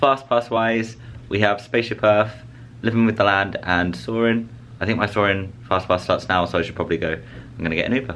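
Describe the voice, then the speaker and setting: Talking at a fairly quick pace, a man with a British accent has a fairly low pitch. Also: ordinary pitch variation. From UK. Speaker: travel vlogger. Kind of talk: casual talk to camera.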